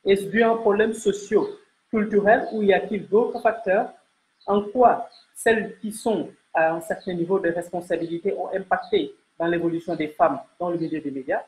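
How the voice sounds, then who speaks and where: A woman's voice: on the low side, a little mellow, rough recording. A woman presenting a panel interview as host, speaking in a formal, courteous way. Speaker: host and journalist.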